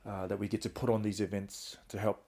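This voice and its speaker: A middle-aged guest on a podcast, founder of a reintegration trust, speaks earnestly and openly about his hard times in a candid personal account. He talks fast in a low, dark voice with flat delivery.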